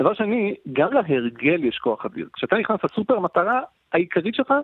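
A man at a high pitch with very wide pitch swings, speaking at a moderate pace. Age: 40s. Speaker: journalist. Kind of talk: radio interview.

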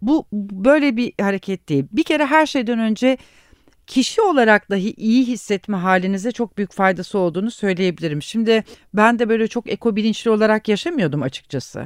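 A woman with a plain, everyday voice speaks at a moderate pace and a fairly high pitch, her intonation lively, in a dry, close recording with no echo that is very clean, with a silent background. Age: 40s. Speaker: corporate sustainability director. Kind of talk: interview. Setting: studio.

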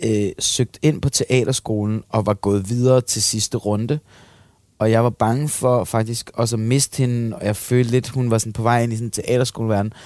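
In an ordinary speaking voice, a man speaks at medium pitch and a fairly slow pace with fairly even intonation, the sound dry and close with no echo on a very clean recording with a silent background. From Copenhagen, Denmark. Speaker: film director. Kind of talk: interview.

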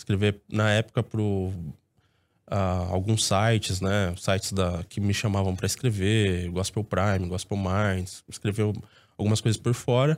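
A man with a normal speaking voice talks at a fairly slow pace in a fairly low pitch with fairly even intonation, captured in a very clean recording with a silent background. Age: 30s. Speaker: journalist and sociologist. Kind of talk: casual chat.

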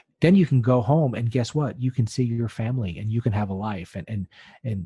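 With an American accent, a man speaks at a moderate pace in a somewhat breathy, dark, mellow tone with ordinary pitch variation and a dry, close sound with no echo. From New York. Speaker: financial planner. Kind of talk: interview. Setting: remote call. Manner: halting, many fillers and repetitions.

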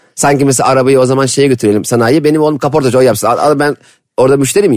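Speaking very fast, a man keeps his loudness very even at a medium pitch. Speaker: podcast co-host, comedian. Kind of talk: casual chat.

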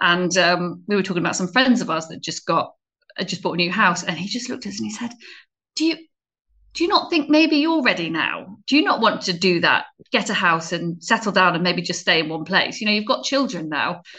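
A woman's bright, sharp tone at medium pitch, fairly quick and with lively intonation. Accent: British. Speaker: guest, expat traveller and mother. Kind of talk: casual interview chat.

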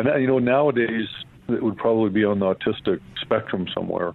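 A man talks at a fairly quick pace and medium pitch, with ordinary pitch variation. He has a normal speaking voice. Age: 60s. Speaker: novelist. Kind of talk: interview. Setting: phone call.

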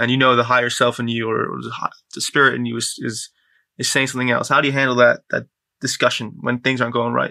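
Very fast and monotone, a man speaks at a medium pitch with vocal fry. His tone is bright and sharp, his intonation flat. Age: 20s. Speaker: podcast host. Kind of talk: podcast interview.

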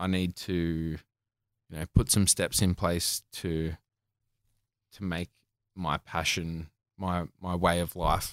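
At a very slow pace with long, frequent pauses, a man with an Australian accent speaks in a very deep, low, monotone voice, recorded very cleanly with a silent background and a dry, close sound with no echo. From Australia, Sutherland Shire south of Sydney. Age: 30s. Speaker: metal fabricator. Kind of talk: casual interview chat.

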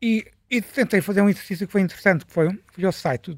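A man speaks at a very fast pace. The recording is very clean and dry, close with no echo and a silent background. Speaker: journalist. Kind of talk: radio panel discussion.

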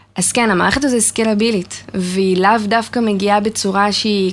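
A woman at a medium pitch, monotone and flat in intonation, at a moderate pace over noticeable background noise. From Israel, Jerusalem. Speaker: marketing technology consultant. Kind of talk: podcast interview.

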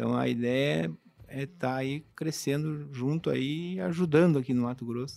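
Lively intonation from a man with a medium pitch. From southern Brazil, Pelotas (Rio Grande do Sul). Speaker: agronomist, seed researcher. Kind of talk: interview conversation. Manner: halting, repeats words.

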